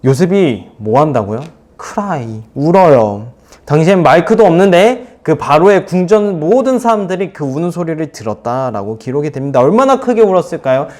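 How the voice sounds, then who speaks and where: A man's voice: on the high side, sing-song, moderate pace, a little mellow. A male youth pastor preaching to teenagers, retelling a Bible story expressively with playful asides.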